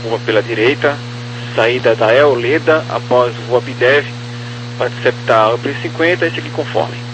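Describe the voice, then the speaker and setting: Mid-pitched male controller on crackly radio. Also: normal speed. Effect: crackly aviation radio. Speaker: air traffic clearance controller. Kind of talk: procedural radio phraseology. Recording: crackly radio with clear hum and noise.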